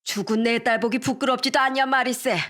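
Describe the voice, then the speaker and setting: A woman's voice: on the high side, moderate pace, fairly bright tone, pitched above the performer's own voice, close to an everyday voice. A woman voicing an elderly grandmother who scolds her son-in-law in blunt, old-fashioned speech. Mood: furious.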